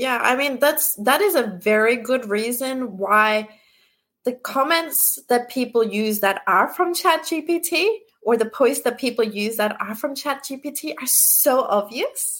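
A high-pitched woman with an Australian accent, very slow pace and lively intonation, on a very clean recording with a silent background. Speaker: branding strategist. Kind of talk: casual interview. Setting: live stream.

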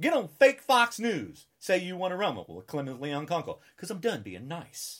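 A man with an American accent speaks at a moderate pace with hardly any pauses. His pitch is high with very wide swings, and his loudness swings widely too. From New Jersey. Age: 60s. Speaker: podcast host. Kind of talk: angry political rant, shouted challenges and taunts, fiery and confrontational. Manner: loud, combative, repetitive, sarcastic, emphatic.

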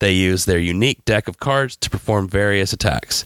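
A man with an unremarkable speaking voice talks at a moderate pace, pitched fairly low with lively intonation. The recording is very clean with a silent background and a dry, close sound with no echo. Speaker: board game podcast co-host. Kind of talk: casual chat.

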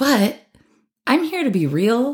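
A woman speaks in an animated tone in a very clean recording with a silent background. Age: 30s. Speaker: podcast host. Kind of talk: casual monologue.

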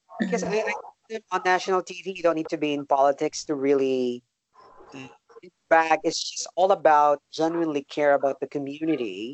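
Music plays behind a man with an American accent. His pitch is fairly high. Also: ordinary pitch variation, moderate pace. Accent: American-sounding. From Philippines, Pangasinan. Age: 40s. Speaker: podcaster and entertainment reporter. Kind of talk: interview. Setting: phone call.

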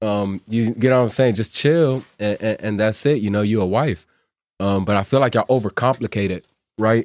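A man with an American accent and an unremarkable speaking voice, fairly low in pitch, at a moderate pace with ordinary pitch variation, on a very clean recording with a silent background. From Utah, US. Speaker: fashion model and author. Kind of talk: casual panel discussion.

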